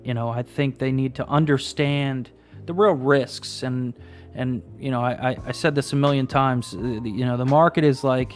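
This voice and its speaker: A man's voice: mid-range voice, fairly even intonation, normal speed, faint music behind. A man in his late thirties hosting a casual chat over drinks, rambling and restarting his sentences. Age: 30s. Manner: rambling, restarts and repeats words. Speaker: host.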